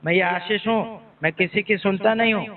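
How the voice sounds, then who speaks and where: A man's voice: sits high, brisk. A man, a pastor, talking sternly on a phone call, scolding and repeating himself. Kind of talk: phone conversation. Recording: tinny phone line, far from mic.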